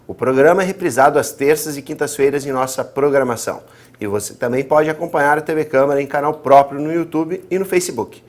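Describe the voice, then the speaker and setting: A man's voice: a little high, a little fast. Polite male talk show host. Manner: polite, formal wrap-up, frequent affirmations. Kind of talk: studio talk show interview. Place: legislative TV studio.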